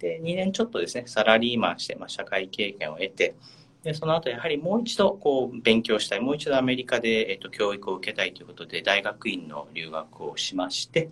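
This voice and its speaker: A man talks at a fairly quick pace, his pitch swinging very widely and his loudness swinging a lot. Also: medium pitch for a man. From Japan, Kanagawa (some childhood years in UK). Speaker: nonprofit director, educator. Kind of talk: interview. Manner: hesitant with many fillers.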